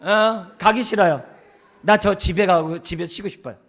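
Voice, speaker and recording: A man's voice: sits high, normal speed, a bit bright. A man voicing a sulky young child who does not want to go to school. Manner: whiny, sulky.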